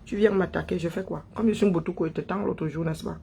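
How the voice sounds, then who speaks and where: A man's voice: sits high, steady tone, fast, creaky, warm tone, slight background noise. A man from Cameroon, giving an impassioned political monologue full of emphatic repetition and rhetorical questions. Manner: emphatic, rhetorical questions, repeats phrases for effect. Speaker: online political commentator.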